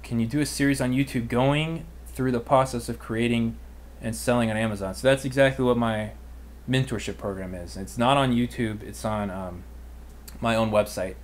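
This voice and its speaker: An online business livestream host and mentor, an American in his twenties, speaks at normal speed with a medium pitch and fairly even intonation. He fields viewer questions in an informal, youthful, slangy way, with slight background noise.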